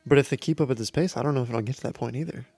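A man co-hosting a podcast, commenting live on an awards show in an excitable, joking way with plenty of swearing. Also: mid-range voice, racing, creaky, husky, dry recording. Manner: excitable, swears often, jokey. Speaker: podcast co-host.

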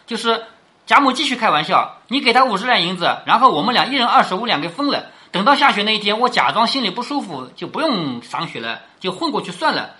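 A woman's voice: mid-range voice, big pitch swings, fast talker, bright, forceful tone. A woman reading a classic novel aloud and explaining it in a chatty way, often asking rhetorical questions.

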